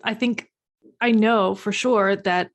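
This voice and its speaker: A woman hosts an interview podcast in an upbeat, encouraging way. Her voice sits in a middle pitch, and she keeps the talk moving with quick affirmations. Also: fairly even intonation. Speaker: podcast host.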